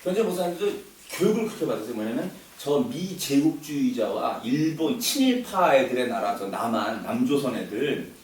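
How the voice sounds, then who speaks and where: Lively man lecturing in an echoey hall. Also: medium pitch, moderate pace, hardly any pauses. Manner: conversational, repeats words, frequent fillers. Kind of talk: casual lecture to an audience. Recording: very echoey room, distant mic, faint noise.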